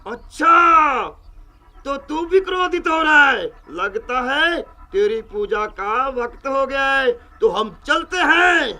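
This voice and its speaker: A pompous holy man blusters at a spirit with booming threats and grand titles, as an actor plays him. His voice sits very high and piercing, and he spells out each threat slowly. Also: expressive, sharp tone, heavily acted. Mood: blustering. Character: pompous male exorcist, boastful and theatrical.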